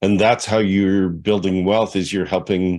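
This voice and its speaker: A man speaks at a fairly low pitch with fairly even intonation and a plain, everyday voice. The background is quiet. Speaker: podcast host, success coach. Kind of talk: interview question.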